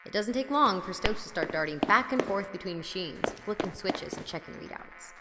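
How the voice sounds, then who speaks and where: A woman's voice: medium pitch, lively intonation, normal speed, lightly acted. A woman playing a wry, weary student who narrates an audio drama in informal, slangy language. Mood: wry narration. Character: sardonic, weary female student narrating her adventures. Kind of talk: audio drama acting and first-person narration. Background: loud music.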